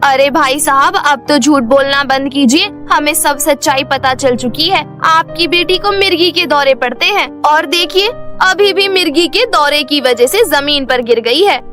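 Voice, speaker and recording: A woman voicing a blunt, formal middle-aged mother of a prospective groom in an animated moral story. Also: high voice, unhurried, hardly any pauses, soft background music. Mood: indignant.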